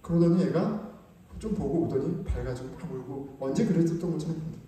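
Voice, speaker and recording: A man's voice: a little high, brisk, dark tone. A male pastor preaching a sermon in a church sanctuary, talking conversationally and asking the congregation rhetorical questions. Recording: echoey church hall, distant mic.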